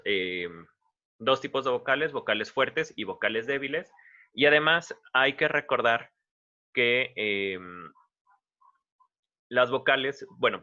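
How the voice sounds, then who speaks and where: Bright-voiced male teacher, lo-fi audio. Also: medium pitch. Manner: relaxed, conversational, with many restarts and fillers. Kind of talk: informal online lecture.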